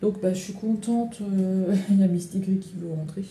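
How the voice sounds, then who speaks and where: Chatty woman with a mellow voice. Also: mid-range voice, steady tone, moderate pace, slight background noise. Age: 30s. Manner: chatty and rambling, full of fillers and slang. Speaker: vlogger. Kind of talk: casual home vlog. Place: home kitchen.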